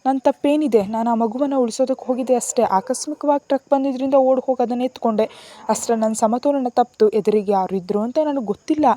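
A woman reading a storybook aloud and voicing a defiant, stubborn young woman who answers back sharply and loudly. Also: mid-range voice, steady tone, moderate pace, lightly acted. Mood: indignant. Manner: sharp, indignant and loud.

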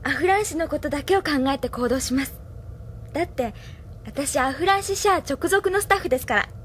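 Brief: a sincere, respectful young staffer, bright high voice. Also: female voice, expressive, a little fast, a little hiss or hum. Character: polite young female staffer, devoted and caring. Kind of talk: radio drama acting.

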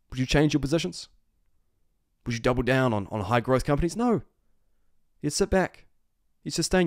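An investing video host with a slightly high voice offers off-the-cuff stock analysis, speaking emphatically, repeating phrases and asking rhetorical questions. The recording is dry and studio quality.

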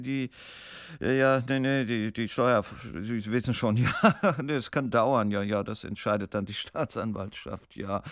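A man's voice: mid-range voice, dry recording, studio quality, natural voice. Man acting a fussy, stammering German official. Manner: hesitant, officious, repetitive. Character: fussy, evasive male German official taking calls. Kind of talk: comic answering machine sketch.

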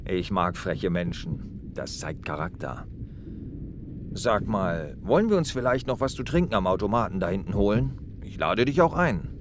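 A wry detective. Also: male voice, moderate pace. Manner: calm, wry and sarcastic. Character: easygoing male detective, wry and paternal. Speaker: police detective in a radio crime play. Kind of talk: radio drama acting. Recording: train rumble under dialogue.

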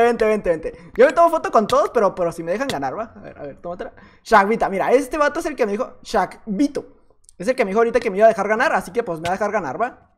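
A man's voice: very high-pitched, a bit bright, slight background noise. A man with a Mexican accent giving playful, joking gameplay commentary as a youtuber, laughing often. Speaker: youtuber gamer.

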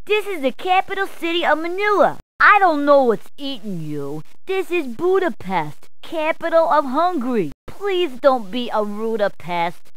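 High-pitched, jokey New policewoman. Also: big pitch swings, unhurried, a bit bright, no room sound, heavily acted, poor audio. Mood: brash, helpful. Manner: playful, punning, emphatic delivery. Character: brash, jokey New York policewoman giving directions. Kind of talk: scripted video game character clips.

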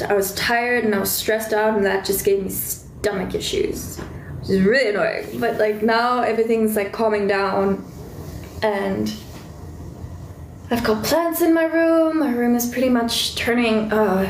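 A young South African woman with a stuffy nose and fading voice chats casually with her livestream viewers from her bedroom, holding her phone close. Her mid-range voice is fairly even and moderately paced; she's chatty, easily distracted, and squeals at cute things. The low-quality recording has an echoey room and a little hiss or hum.

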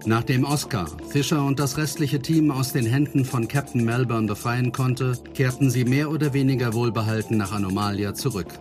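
A man narrating an audio drama recap in a measured, serious, scripted style. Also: mid-range voice, steady tone. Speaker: narrator, announcer. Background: clear music.

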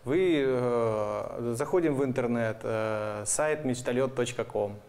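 A man in his thirties with a medium-pitched voice, speaking as an interview guest. He explains plans haltingly, pausing mid-phrase to find his words, in a studio setting. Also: a little mellow. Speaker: guest, animation studio representative. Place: indoor TV studio. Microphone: lapel mic.

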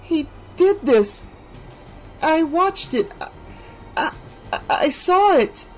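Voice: mid-range voice, animated, unhurried, faint music behind, pitched above the performer's own voice, lightly acted, poor audio. A reader voicing a frightened, haunted teenage girl who talks tremulously and pleads to be believed. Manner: tremulous, whispering.

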